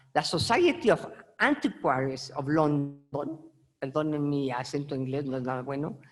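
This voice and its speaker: A Mexican woman, the author, giving conversational remarks at a book presentation and checking in with the audience. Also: deep voice. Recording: long hall reverb.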